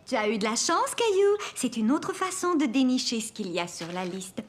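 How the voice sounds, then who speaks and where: A woman's voice: fairly high pitch, very animated, moderate pace. A woman voicing an encouraging, patient young female babysitter in a children's cartoon dub. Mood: playful, encouraging.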